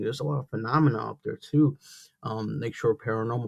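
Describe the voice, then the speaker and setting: A somewhat breathy man with an American accent, ordinary pitch variation and a fairly quick pace. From US Midwest. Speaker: livestream host, photographer and musician. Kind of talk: casual live stream chat. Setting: live stream, not in usual spot. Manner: soft-spoken, kept quiet; halting, many fillers.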